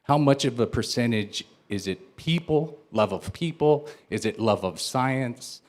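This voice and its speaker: A man's voice: mid-range voice, lively intonation, a little slow. A man who teaches English, asking a long, hesitant question from the audience at a lecture. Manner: hesitant, lengthy question with restarts.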